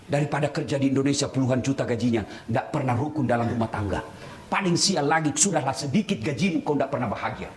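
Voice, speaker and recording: A man's voice: medium pitch, fast. A man preaching a sermon, joking with the crowd and firing rhetorical questions. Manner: animated, teasing, joking with the audience, rhetorical questions. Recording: echoey hall with background noise.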